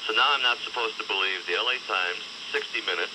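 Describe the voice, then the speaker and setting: Quick, dry-needling radio guest man. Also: on the low side. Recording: noisy old radio broadcast.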